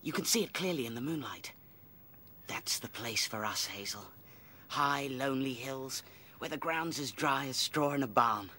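A man's voice: medium pitch, expressive, moderate pace, pushed and bright, a little hiss or hum. A man acting in a radio play as a small, anxious visionary rabbit, fretful and intense.

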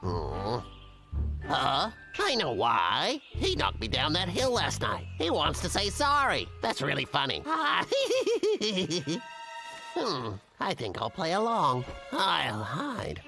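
Excitable schemer, cartoon lumberjack: grumbly and theatrical, drawn-out creaky delivery over music. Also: male voice, fairly high pitch, exaggerated voice. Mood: sly, smug. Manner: grumbling, theatrical, talks to himself. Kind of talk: exaggerated cartoon dub acting.

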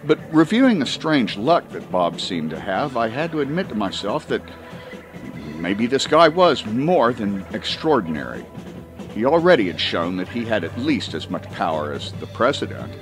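Animated male audiobook narrator over music. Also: mid-range voice. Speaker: audiobook reader. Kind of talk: scripted first-person narration of a comic spy story.

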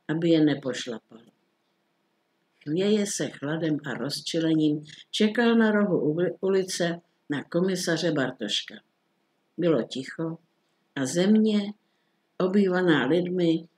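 A man narrating a classic short story in a calm, measured reading voice. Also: on the high side. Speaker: reader.

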